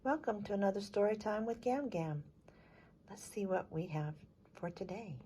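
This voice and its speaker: A woman's voice: mid-range voice, expressive, normal speed, mellow, a little hiss or hum. An older woman hosting a children's story time, reading aloud expressively to young listeners.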